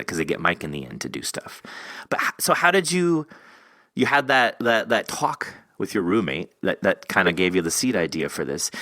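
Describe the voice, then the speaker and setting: A man's voice: on the low side, sharp tone, dry recording. A man hosting an interview in a casual, rambling, informal way, often padding his sentences with conversational filler. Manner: rambling, informal, peppered with "you know". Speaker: podcast host interviewing an author.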